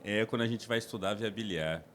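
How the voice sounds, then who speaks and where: A man with a low voice, from the São Paulo interior, speaks as a podcast guest. He explains procedures step by step, often restarting his sentences. A faint background ambience sits under his voice. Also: fairly quick, a bit bright, slight background noise. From interior of São Paulo state, Brazil. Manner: explains plainly with frequent restarts and fillers. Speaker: endoscopist guest.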